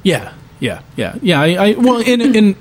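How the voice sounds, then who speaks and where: A man's voice: sits high, huge pitch swings, moderate pace, a little hiss or hum. A man co-hosting a podcast, telling a long story in casual chat, often repeating and restarting words as he retells what happened. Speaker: podcast co-host.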